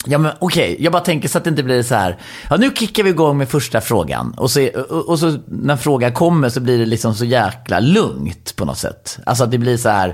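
With lively intonation and some vocal fry, a medium-pitched man speaks fairly quickly with hardly any pauses. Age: 40s. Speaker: podcast host. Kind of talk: casual chat.

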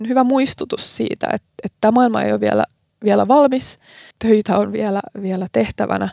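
The sound is dry and close, without any echo. A woman talks at a fairly slow pace. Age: 30s. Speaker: lawyer sharing personal story. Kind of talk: personal testimony. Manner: halting, many repeated words.

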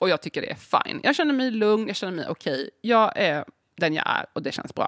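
In a dry, close sound with no echo, a woman of medium pitch talks at a very fast pace with very wide pitch swings. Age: 30s. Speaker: podcast host and novelist. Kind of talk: casual chat.

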